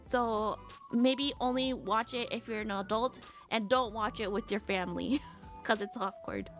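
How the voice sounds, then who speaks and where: Soft music plays behind a live-streaming woman whose voice is fairly high and a bit bright. Chatting casually and moving between languages, she keeps her English slow and simple for learners and giggles upbeatly as she reads viewers' names.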